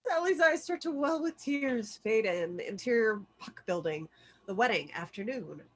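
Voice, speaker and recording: At a table read, a woman narrates a screenplay's scene headings and action lines in a fairly high, animated voice at normal speed. She serves as the stage-direction reader, delivering scripted narration of the directions.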